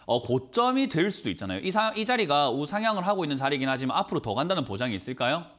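Fast, lively man advising on stocks. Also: fairly high pitch. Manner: quick, rhetorical questioning, lively. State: has a cold. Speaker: stock market mentor. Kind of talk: financial advice call-in show. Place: TV studio.

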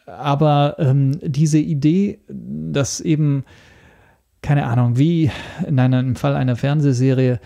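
This Italian podcast guest talks informally in an interview, pausing to find words and restarting phrases repeatedly. He has a warm, gravelly mid-range voice with a steady tone.

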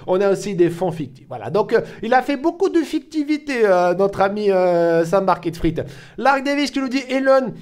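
A chatty man runs through crypto news in a casual commentary. His voice sits high for a man, and it keeps jumping up and down as he talks, full of fillers and restarts. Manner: chatty, lively swings in pitch, many fillers. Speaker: crypto channel host.

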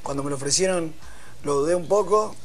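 A man in his thirties with an Argentine accent, a composer guest telling a story in a relaxed way on a TV studio set. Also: fairly high pitch, brisk. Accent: Argentine Spanish. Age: 30s. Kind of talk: casual chat.

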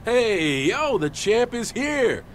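A man's voice: very high voice, big pitch swings, takes it slowly, a little hiss or hum, full character voice. A man voicing a cocky male wrestling champion in a video game, brash and teasing.

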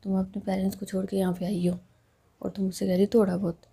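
A wry, shy young woman in love, voiced by a woman narrator. Her voice is husky and mellow and stays low and half whispered. She sounds like a figure in a homemade audio love story. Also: little pitch movement, quick pace. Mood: tender.

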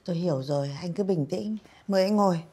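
An actress playing a patient, restrained old woman in a nursing home who calmly placates an angry man. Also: lowish voice, fast, natural voice. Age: older. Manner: calm, placating. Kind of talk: TV drama acting.

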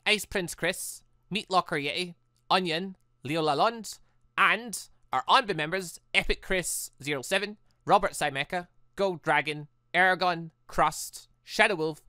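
A man giving casual, animated game commentary as he thinks aloud in a rambling, expressive way. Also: sits high, a little slow, no echo, clean studio sound. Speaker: gaming channel host. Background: background music.

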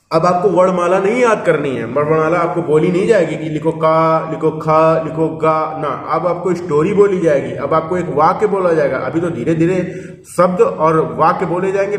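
A man teaching a shorthand class, explaining step by step and often checking that the students follow. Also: a little high. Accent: Hindi. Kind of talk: classroom instruction. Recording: echoey room, voice from far off.

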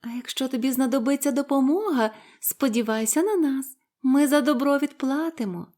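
A woman voicing a crowd of tiny ants in a storybook, calling out loud and high for help, then giving thanks. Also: moderate pace, natural voice. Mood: grateful. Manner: high, loud pleading cries.

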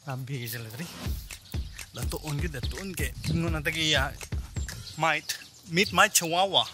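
A young Filipino man hosting a casual house-tour vlog outdoors, talking into a handheld camera and laughing loudly and often. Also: on the high side, normal speed, over music. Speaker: vlogger. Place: outdoors on a hillside estate. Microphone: handheld camera at arm's length.

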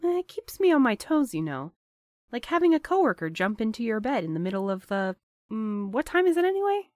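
A wry sleepy young woman, teasing banter, higher voice, swings around a lot, audio drama. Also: sing-song, a little fast, darkish tone, no room sound. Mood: drowsy, dry. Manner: dry, bantering. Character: drowsy, teasing, wary young woman postal worker.

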